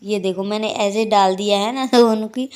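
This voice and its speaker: A woman's voice: mid-range voice, steady tone, moderate pace, darkish tone, smooth. A young woman vlogging at home at night, chatting and laughing as she tells what the kids are doing. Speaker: family vlogger. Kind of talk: casual vlog narration. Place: dark room at home at night. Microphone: phone on a tripod.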